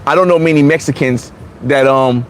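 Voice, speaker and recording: Reading comments during a casual livestream, a blunt vlogger in his 40s speaks at a normal pace in a medium-pitched voice. He repeats himself and keeps restarting, with a slight hiss or hum in the audio.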